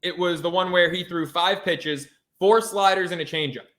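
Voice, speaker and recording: A man's voice: sits high, steady tone, normal speed, a bit bright. A man co-hosting a sports podcast in a casual chat, brash and emphatic, swearing freely. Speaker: podcast co-host.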